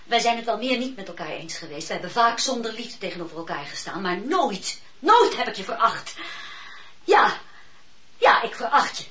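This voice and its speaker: A fierce, scornful wife. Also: female voice, mid-range voice, moderate pace. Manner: sharp, scornful, lively. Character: fierce, principled wife of a judge. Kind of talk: radio play acting. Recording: dull lo-fi radio recording with hiss.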